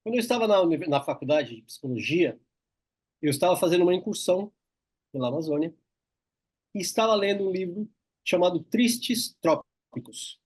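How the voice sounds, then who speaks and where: A man with a high, husky voice hosts an interview. He speaks reflectively and brings in a personal story as he talks with his guest. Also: lively intonation, moderate pace, long pauses, a little mellow, dry recording. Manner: reflective, tells personal anecdotes. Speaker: interview host. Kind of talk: casual interview chat.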